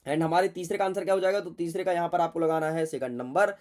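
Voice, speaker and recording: A young man with a fairly high voice teaches an exam prep lesson, speaking straight to his students in a chatty, playful way. While he hunts through a passage he drops into muttering to himself. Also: fairly even intonation, fast, darkish tone.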